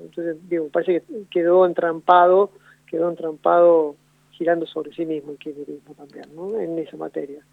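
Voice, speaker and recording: Gravelly Argentine man on a phone line. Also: a little high, flat delivery, no echo. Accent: Argentine Spanish. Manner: measured, analytical, circling back to rephrase. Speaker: guest. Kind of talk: radio phone interview. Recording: tinny phone line on radio.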